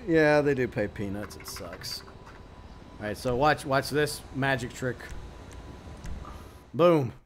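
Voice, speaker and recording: A man's voice: medium pitch, takes it slowly, long pauses, slight background noise. A man hosting a live game stream, chatting casually and rambling with fillers and asides. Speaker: streamer host.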